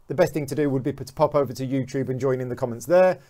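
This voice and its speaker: A man's voice: mid-range voice, racing, warm tone. A man in his thirties hosting a live-streamed Q&A interview from a home studio, chatty and jokey with frequent fillers. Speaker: host.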